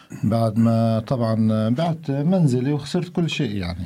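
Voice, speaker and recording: Speaking very slowly, a man with a medium pitch and a dark, mellow tone uses lively intonation. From Syria, Hama governorate. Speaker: refugee, former detainee. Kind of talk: radio interview testimony. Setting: studio.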